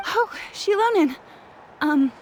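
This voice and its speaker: A woman's voice: extremely high pitch, animated, slow pace, soft background music, exaggerated voice, rough recording. A woman playing a kind-hearted, anxious young jeweller in a video game, rambling and apologetic. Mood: nervous, relieved. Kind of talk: video game character acting.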